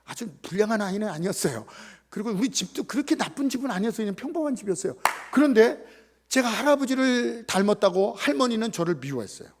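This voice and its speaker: A man, a pastor, preaching a Sunday sermon full of personal stories, acting out the people he quotes. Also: high-pitched. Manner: animated, acts out quoted family members in voices.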